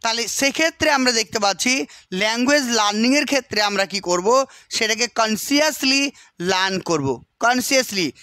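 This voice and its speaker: High-voiced teacher checking understanding. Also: male voice, expressive, pushed and bright, dry recording, clean studio sound. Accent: West Bengal Bengali. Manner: keeps asking rhetorical questions and checking understanding; reads English text slowly, then explains it. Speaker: exam-prep teacher. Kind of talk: explanatory lecture.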